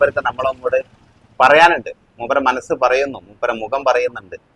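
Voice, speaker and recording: A man with an unremarkable speaking voice talks at a fairly high pitch with ordinary pitch variation, recorded with a dry, close sound and no echo. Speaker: village vlogger. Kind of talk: documentary-style vlog narration to camera.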